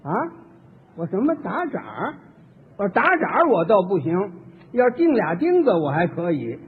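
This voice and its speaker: A man's voice: sits high, very animated, unhurried, slightly rough. A man performing a solo comic story, acting out both sides of each exchange. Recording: tinny archival radio recording with long hall reverb.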